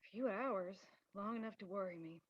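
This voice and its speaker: A woman's voice: mid-range voice, normal speed, slightly rough, no room sound, close to an everyday voice. A woman playing a worried, loyal friend in a script read, subdued and earnest, on a dull remote microphone.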